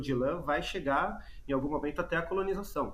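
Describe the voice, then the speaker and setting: A somewhat breathy man at a moderate pace, with audible room echo. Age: young. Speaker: climate activist. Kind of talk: panel discussion.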